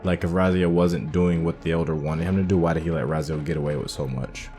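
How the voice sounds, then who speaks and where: A man with a very low voice gives relaxed commentary on a game he is playing. He muses out loud about the story and works through his thoughts as he goes. Game music plays faintly under his talk. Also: fast. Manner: musing, thinking aloud while playing. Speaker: gaming channel host. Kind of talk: casual let's-play commentary.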